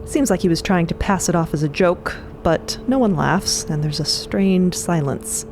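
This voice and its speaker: Lower-pitched female story narrator. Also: moderate pace, darkish tone, slight background noise. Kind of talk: dramatic scripted narration.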